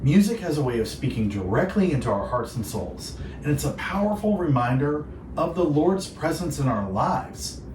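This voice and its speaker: A man's voice: fairly high pitch, sing-song, moderate pace. Distant, echoey man hosting Christian radio. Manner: earnest, reflective, polished phrasing. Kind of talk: devotional radio talk with co-host. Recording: roomy echo, distant, clearly noisy.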